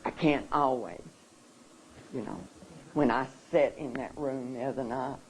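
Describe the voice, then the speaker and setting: A speaker addressing a seminar audience, emotional and halting, often restarting sentences. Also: mid-range voice, a little hiss or hum, poor audio. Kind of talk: personal talk to an audience.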